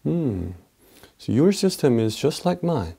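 A middle-aged man from South Korea with a Korean accent, asking curious interview questions and often giving small acknowledgments. He speaks in a quiet room with curtains. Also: a little high, very animated, a little slow, creaky, husky. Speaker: urologist interviewer.

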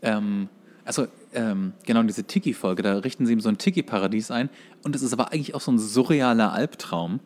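A man co-hosting a podcast in casual conversation, often halting as he searches for words. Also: on the low side, darkish tone. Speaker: podcast co-host. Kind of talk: casual podcast chat about cartoons.

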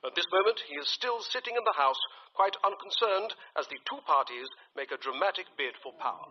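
A grave British radio newsreader. His voice is fairly high and husky, formal in delivery, on a slightly muffled recording. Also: expressive, fairly quick. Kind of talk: scripted news bulletin.

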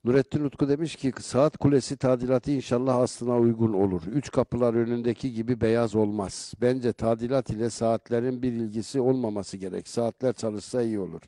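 A middle-aged man hosts a local call-in style show, his voice warm and dark. He is recorded close and dry, and he moves from easy chat into pointed rhetorical questions. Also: mid-range voice, fairly even intonation, brisk, hardly any pauses, no echo. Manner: conversational, turning rhetorical and emphatic when he comments. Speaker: local broadcast host reading viewer comments. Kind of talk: casual live-show commentary.

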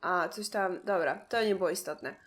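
A Polish woman commentating her own gameplay, reacting loudly and yelling at the game characters. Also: on the low side, moderate pace. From Poland. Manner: exclaims and shouts at the game. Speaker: gameplay streamer. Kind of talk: excited gaming commentary.

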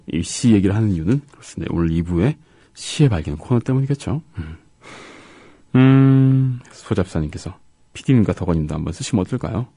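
A man co-hosting a radio show chats casually and reads listener comments, speaking in a halting, soft-spoken way with gaps between his words. His voice is fairly low and husky, with no echo.

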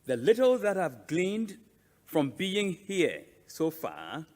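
Slow, higher-pitched man in echoing hall. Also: huge pitch swings, a little mellow. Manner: deliberate, measured, emphatic with pauses. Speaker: conference speaker presenting a museum. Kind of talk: formal prepared speech. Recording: echoing hall with long reverb.

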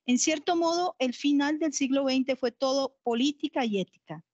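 A Colombian woman in her forties reads an academic paper in a measured, formal way. She speaks on a fairly high voice through a headset, the sound very dry and a little dull. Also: darkish tone, no room sound. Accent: Colombian Spanish. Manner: measured, formal, reading aloud. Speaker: conference speaker. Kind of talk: academic lecture read from text. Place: home office, video call.

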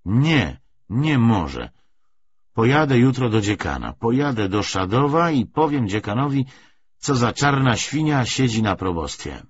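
A man's voice: mid-range voice, sing-song, measured pace, slight background noise. A man voicing an indignant, brash young man in an audiobook novel, blunt and contemptuous. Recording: slightly dull, muffled recording.

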